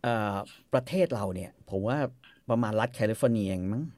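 A man's voice: mid-range voice, a little fast, darkish tone. A man in casual chat, musing aloud with rhetorical questions and casual swearing.

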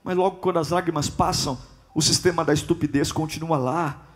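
A man preaching a sermon with passion, going from loud outbursts to hushed, low passages. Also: fairly even intonation, fairly quick. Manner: impassioned, swinging from loud to hushed.

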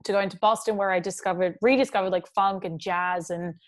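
A woman's voice: mid-range voice, steady tone, fairly quick. Chatty young woman singer talking shop. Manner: chatty, many "like" and "um" fillers, quotes herself. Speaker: singer, interview guest. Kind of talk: casual interview chat.

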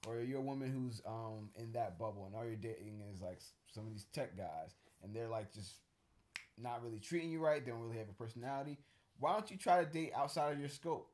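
A man's voice: medium pitch, lively intonation, fairly quick, darkish tone. A man co-hosting a casual podcast chat, talking in a rambling, thoughtful way with many fillers and restarts. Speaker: co-host.

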